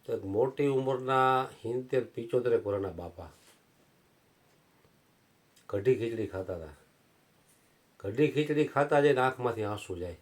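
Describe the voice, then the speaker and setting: A man's voice: medium pitch, animated, measured pace, long pauses. A man telling folksy anecdotes in a satsang sermon. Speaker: preacher.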